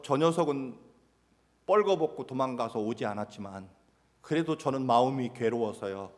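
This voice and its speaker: A man's voice: medium pitch, lightly acted. A man voicing Peter as a grown male disciple pleading and excusing himself, in a hall with long reverb.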